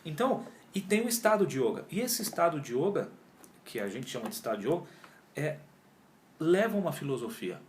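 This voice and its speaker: Brisk and fairly high-pitched, a Brazilian man in his 40s talks over slight background noise. This yoga teacher is an interview guest in a casual chat, telling his story with animation, performing his past conversations, and using heavy slang. An echoey room gives the recording faint ambience.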